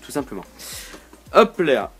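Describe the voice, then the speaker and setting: A man's voice: mid-range voice, very animated, measured pace, breathy edge, faint music behind. Teen guy rambling thru a bedroom tour, lots of ums and restarts, jokey, camera on a tripod. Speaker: YouTuber. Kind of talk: casual room tour vlog.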